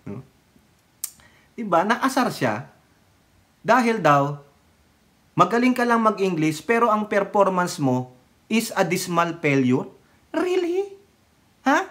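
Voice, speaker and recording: A political vlogger rants in a casual, mocking way, breaking into laughter often and throwing in curses. The voice swings sharply up and down in pitch and loudness.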